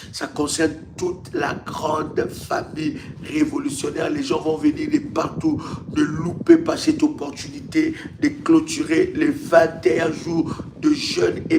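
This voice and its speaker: A man's voice: fairly high pitch, gravelly. A man preaches as a pastor on a live stream. His delivery is emphatic and repetitive, often stumbling into restarts as he drives a point home. Faint noise sits behind him. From Congo. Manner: emphatic and repetitive, with rhetorical questions and stammered restarts. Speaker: pastor, ministry leader.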